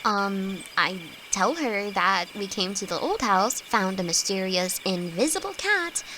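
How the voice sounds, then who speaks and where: A woman's voice: medium pitch, lively intonation, a little slow, background noise, close to an everyday voice. A woman playing a timid, easily frightened young apprentice alchemist, affectionate and hesitant, with a nervous stammer, in a fantasy audio roleplay. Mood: hesitant, tender. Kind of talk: fantasy roleplay audio drama, intimate one-sided dialogue. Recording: night cricket and insect ambience throughout. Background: crickets and forest ambience.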